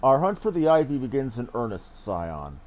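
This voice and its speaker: A man acts out a dutiful captain in a fantasy game, grave and guarded. The voice sits low, with measured, formal phrasing that carries military discipline. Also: sing-song, darkish tone, close to an everyday voice. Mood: grave, wary.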